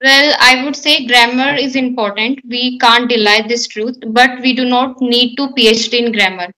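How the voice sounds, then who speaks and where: A woman's voice: fairly high pitch, fairly even intonation, normal speed, bright, forceful tone, low-quality recording. A young woman from India speaking English with an Indian accent, Hindi and Marwari her first languages, answering questions carefully on a video call. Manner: thoughtful, careful, with frequent light laughs. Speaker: guest learner. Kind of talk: English speaking practice conversation. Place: indoor room at home. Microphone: video call webcam.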